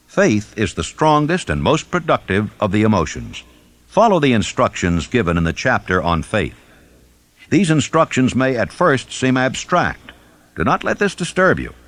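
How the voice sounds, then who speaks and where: A man reading a self-help audiobook in a measured, instructive and emphatic manner. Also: mid-range voice. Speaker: audiobook narrator.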